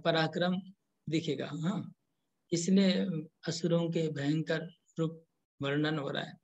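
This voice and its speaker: A man giving a scripture lecture, explaining slowly in short pieces with restarts, and chanting verses. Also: on the high side, highs cut off. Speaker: spiritual lecturer.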